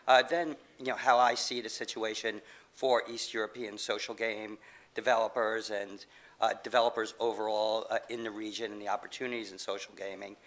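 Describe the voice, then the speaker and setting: A man's voice: on the low side, little pitch movement, brisk, fairly bright tone. A middle-aged man getting over a cold, giving a conference presentation with many fillers and restarts. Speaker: conference speaker, game company CEO.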